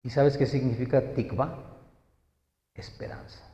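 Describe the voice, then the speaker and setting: Slow-teaching man preaching in an echoey hall. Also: on the high side, expressive, darkish tone. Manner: slow, emphatic teaching with questions to the audience. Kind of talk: sermon teaching. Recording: echoey hall, dull lo-fi sound.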